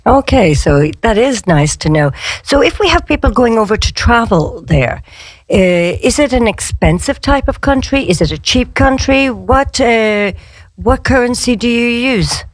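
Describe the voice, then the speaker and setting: A woman's voice: a little high, expressive, unhurried, no echo. A woman hosting a conversational English-lesson radio show, chatty and inquisitive, asking questions in simple, reassuring phrases. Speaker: radio host and English teacher.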